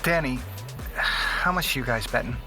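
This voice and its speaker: An actor playing a street-wise young hacker and skeptical friend in an audio drama, wry, slangy and needling. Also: male voice, mid-range voice, measured pace, music in the background, natural voice. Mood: skeptical, mocking. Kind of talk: acted audio drama dialogue.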